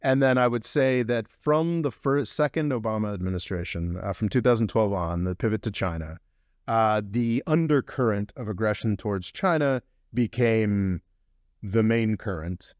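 A man's voice: lowish voice, expressive, moderate pace, a little mellow, no echo, clean studio sound. Opinionated man hosting a podcast. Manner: opinionated, rambling explanations. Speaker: podcast host. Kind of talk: casual podcast discussion.

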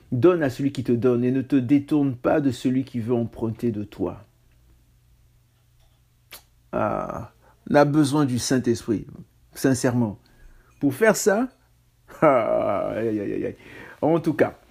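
A man's voice: mid-range voice, dark tone, breathy edge. A man preaching a casual sermon on scripture, talking conversationally with self-mocking asides and stammered restarts.

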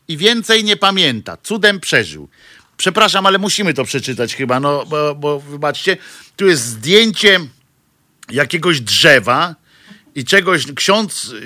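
A man's voice: a little high, pushed and bright. A man giving casual satirical commentary as a regular on a weekly show. He rambles and hesitates with many restarts, mocking news stories with dry sarcasm. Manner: mocking the press and clergy with dry jokes.

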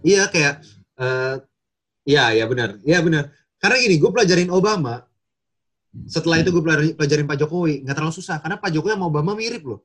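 A man in casual chat, lively and slangy, who keeps breaking into impressions. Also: fairly high pitch, quick pace. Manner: lively, slangy, jumps into voices. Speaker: guest impressionist.

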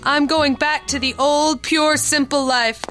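A woman's voice: high voice, fairly even intonation, measured pace, music in the background. A woman playing a young female con artist who pleads sweetly and melodramatically in a pulp radio play. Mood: tearful, repentant.

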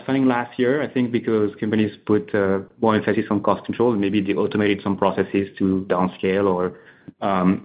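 Male executive, fairly low, conversational and halting earnings-call answers, phone-band sound. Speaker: company executive answering analysts. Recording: tinny phone-like conference line.

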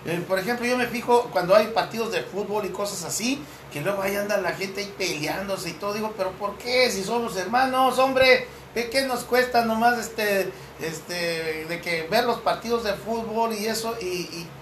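A man's voice: high voice, moderate pace, few pauses, fairly bright tone. A man hosting a casual Catholic talk show, chatting with a co-host, joking and laughing often, and reading news aloud. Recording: roomy with faint background noise.

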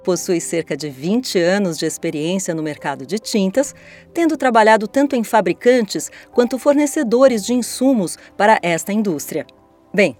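Female podcast host, Brazilian accent, mid-pitched, formal scripted read, articulate, music underneath. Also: warm tone.

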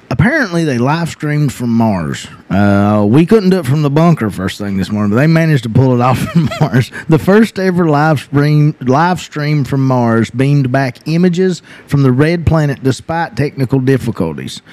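A man's voice: medium pitch, animated, normal speed, darkish tone. A man who hosts a podcast and chats casually, rambling with lots of "like" and laughing often. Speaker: podcast host. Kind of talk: casual chat.

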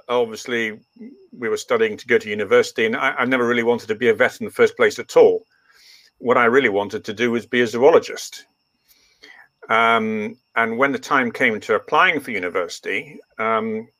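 A man's voice: on the low side, a bit bright, no echo. An older man who grew up in East Africa, speaking English with Swahili as his first language, telling his story as a guest in a rambling way full of ums and restarts. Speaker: guest, veterinarian. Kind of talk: relaxed interview storytelling.

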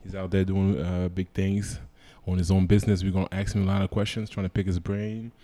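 A man hosting a casual interview podcast, talking in a relaxed way and dropping little words. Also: deep voice, fairly quick. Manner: relaxed, drops verbs in casual speech. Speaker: podcast host.

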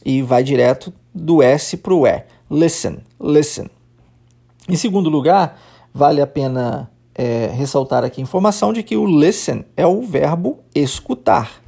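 A man's voice: on the high side, animated, normal speed, vocal fry, warm tone, husky. A man with a Brazilian Portuguese accent, teaching English on a lesson podcast, explaining patiently and drilling phrases aloud.

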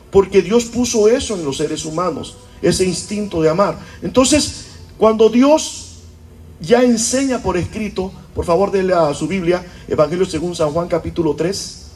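A man's voice: high voice, moderate pace, a little mellow. A pastor preaching a sermon to his church, often throwing rhetorical questions at the congregation. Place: church service.

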